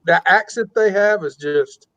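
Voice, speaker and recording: A married man in casual chat, musing in a relaxed way. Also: sits high, a little slow, no room sound, lo-fi sound.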